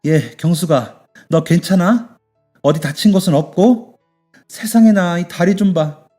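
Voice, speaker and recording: A man voicing a tough but caring middle-aged woman who runs a bathhouse, yelling at thugs and fussing over her young worker in a radio story. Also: high-pitched, measured pace, faint music behind, voice pushed up. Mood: doting. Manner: shouting threats, then fussing warmly.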